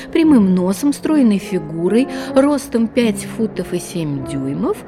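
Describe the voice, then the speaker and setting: An actress playing a hopeful, plucky young woman of twenty-two in an audio drama, musing and expressive. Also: mid-range voice, lightly acted. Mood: musing, intrigued. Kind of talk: theatrical audio drama acting.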